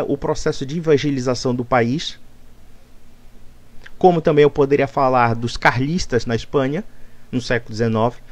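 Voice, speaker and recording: A man's voice: medium pitch, a little mellow, dry recording. A man delivering an argumentative, lecturing rebuttal monologue. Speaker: commentator.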